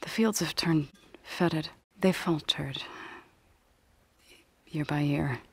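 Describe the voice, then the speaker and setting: An actress playing a solemn, gentle tribal singer in a video game, speaking softly in measured, earnest, formal phrases. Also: female voice, sits low, gravelly, breathy edge, no echo, exaggerated voice. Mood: grave, worried. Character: solemn, gentle tribal woman, grave singer of a farming people. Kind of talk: video game character dialogue.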